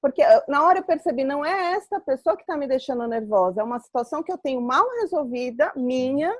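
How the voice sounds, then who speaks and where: A woman's voice: high-pitched, animated, fast, dry recording, clean studio sound. A Brazilian woman hosting a live webinar, explaining in an earnest, reflective way with personal examples over a video call. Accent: Brazilian Portuguese. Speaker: webinar host.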